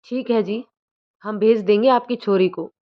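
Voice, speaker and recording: A woman doing a gruff mocking father-in-law. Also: medium pitch, a little slow, close to an everyday voice. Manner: gruff, egging others on. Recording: dull lo-fi recording.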